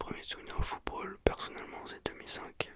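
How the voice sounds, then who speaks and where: Over noticeable background noise, a man whispers. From France, Paris. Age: 20s. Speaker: ASMR youtuber. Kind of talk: Q&A chat. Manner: hesitant.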